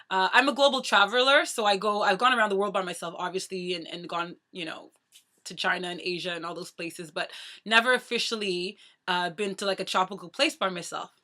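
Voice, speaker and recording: A woman in her thirties chatting casually to her viewers in a playful way, talking very fast. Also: medium pitch, sharp tone. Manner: talks very fast. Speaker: vlogger. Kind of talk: casual chat to camera.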